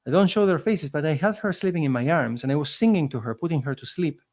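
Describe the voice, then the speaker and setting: A man's voice: a little high, fast talker, darkish tone. A man with a non-native accent, a podcast guest telling his story in an earnest, emphatic, motivational way. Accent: non-native accent in English. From immigrant living in Canada. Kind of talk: conversational storytelling.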